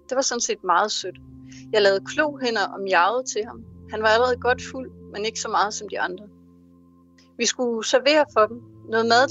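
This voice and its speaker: A woman author with a fairly high, bright voice is interviewed on a muffled recording. Speaking freely, she answers hesitantly with lots of fillers, and she also reads aloud from her novel.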